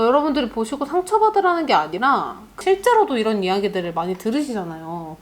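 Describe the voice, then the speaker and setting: Chatty, animated young Korean woman. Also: a little high. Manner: chatty and animated, laughs often. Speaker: beauty YouTuber. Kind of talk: get-ready-with-me makeup vlog.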